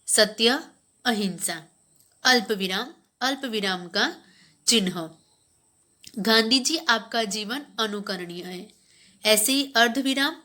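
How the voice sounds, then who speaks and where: Her voice is on the high side, pushed and bright, as this woman teaches grammar to schoolchildren. She reads from the textbook aloud, explains the passages, and turns her points back into questions for the class.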